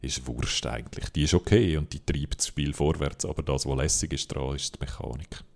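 Man, Swiss German accent, very low voice, gravelly, opinionated podcast co-host. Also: fairly quick. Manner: animated, opinionated, many fillers. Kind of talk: casual game discussion.

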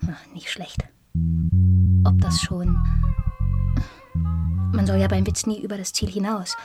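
A slow, musing oddball woman who wants to learn humor in a radio play. She talks with drawn-out pauses and a lively rise and fall, teasing the others. Clear guitar music plays behind her. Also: medium pitch. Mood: pondering. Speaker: actor.

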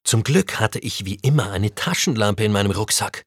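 A man reading a children's adventure story aloud with an animated, expressive delivery. His pitch roams widely and his voice has a slightly husky grain. The recording is close and dry. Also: normal speed, no room sound. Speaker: story reader.

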